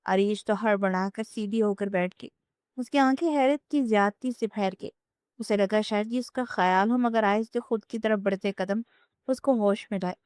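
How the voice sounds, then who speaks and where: A woman reads a romance novel aloud in steady, even storytelling. Her voice is smooth and resonant, recorded dry and close with no room around it. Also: medium pitch, no room sound. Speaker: narrator. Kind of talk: scripted audiobook narration.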